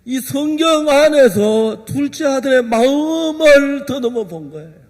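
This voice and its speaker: A male pastor with a voice high for a man delivers an impassioned sermon as emotional storytelling, sliding between hushed asides and loud outbursts. He is expressive and unhurried, and a long reverb trails each phrase in the large church hall.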